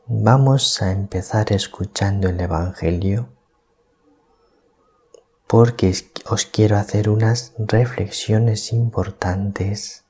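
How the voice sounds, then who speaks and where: A priest from giving a calm, deliberate gospel reflection at night, keeping his voice down so as not to wake anyone. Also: on the low side, slightly rough. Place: small hermitage at night.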